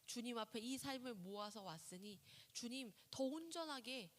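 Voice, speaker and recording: A woman's voice: a little high, lively intonation, normal speed. A woman pastor giving a sermon in a conversational style, asking the listeners questions. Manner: conversational preaching with rhetorical questions; acts out quoted voices. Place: church sanctuary. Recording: long hall reverb in a church.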